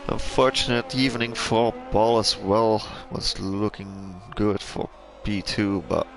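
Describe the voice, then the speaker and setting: A man's voice: on the low side, level tone, takes it slowly, creaky. A young man with a Belgian accent commentating an online sim race, hesitant with many fillers and restarts. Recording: game engine noise and loud music behind. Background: engine noise and music.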